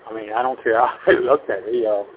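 A man in his sixties selling his home, talking on a phone call in a halting, rambling way full of fillers and restarts. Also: lowish voice, fairly even intonation, a crowd in the background. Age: 60s. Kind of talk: casual phone conversation. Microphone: telephone. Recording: tinny phone line.

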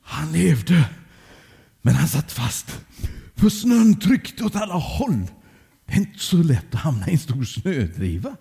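A man telling a children's story aloud in a lively way, speaking directly to young listeners. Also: fairly high pitch, gravelly, breathy edge, long reverb tail.

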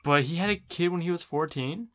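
A man's voice: on the high side, fairly quick, fairly bright tone. A young man co-hosting a casual podcast, reacting with disbelief and lots of questions. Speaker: podcast co-host. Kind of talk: casual chat.

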